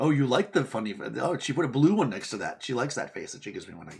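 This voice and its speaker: Pitch moves in very wide swings. There is a somewhat breathy quality to the voice. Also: man. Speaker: photographer. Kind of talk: editing tutorial on livestream. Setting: livestream. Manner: fast; casual, chatty.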